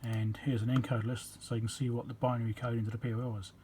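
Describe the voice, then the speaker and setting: A man's voice: medium pitch, flat delivery, quick pace, noisy background. A man giving a casual technical explanation as a repair video host, rambling and matter-of-fact as he thinks aloud.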